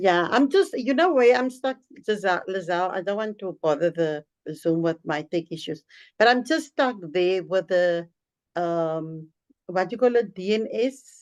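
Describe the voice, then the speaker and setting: With lively intonation, a woman talks at a fairly slow pace in a normal speaking voice. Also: medium pitch for a woman. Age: 60s. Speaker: course participant. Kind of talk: testimony; question. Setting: video call.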